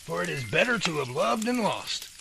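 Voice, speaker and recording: A man acts out a calm, folksy Bigfoot researcher in an amateur drama. His voice is creaky and sits a little high. He speaks in measured, homespun speeches over clearly audible noise. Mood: earnest, philosophical.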